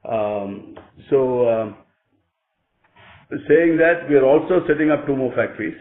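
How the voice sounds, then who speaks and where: An Indian man speaking as a company executive, answering questions on an earnings call in a halting, conversational, hedging way. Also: medium pitch, expressive. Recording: echoey, narrow telephone conference line.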